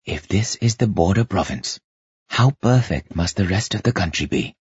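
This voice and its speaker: Commanding tribal chief, performed by a male reader; very low, rough-edged, firm, storybook drama. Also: expressive, moderate pace, dry recording, lo-fi sound, exaggerated voice. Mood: quiet awe.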